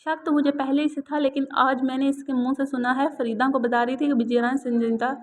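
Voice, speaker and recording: A woman's voice: high-pitched, little pitch movement, brisk, slight background noise, close to an everyday voice. A woman voicing an elderly grandmother who scolds and dotes by turns, in a storybook reading. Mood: irritated. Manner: scolding yet doting. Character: fond, fussy elderly grandmother.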